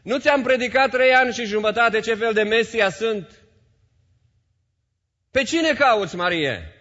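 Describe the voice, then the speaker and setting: A man's voice: extremely high pitch, expressive, pushed and bright, long reverb tail, muffled recording, pitched above the performer's own voice, exaggerated voice. A man voicing a male spiritual teacher who asks insistent, repeated questions.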